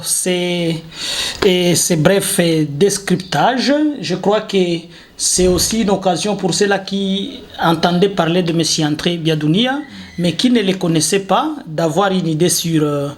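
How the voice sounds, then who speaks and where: Man, talk-show host, halting delivery, frequent fillers. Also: sits high. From Congo. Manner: hesitant, many fillers and restarts.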